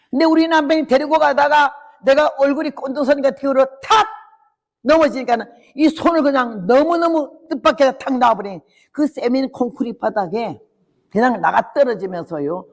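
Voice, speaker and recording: A woman's voice: medium pitch, darkish tone. An older woman missionary telling her testimony as a sermon, with vivid, dramatic storytelling. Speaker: missionary preacher. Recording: long hall reverb.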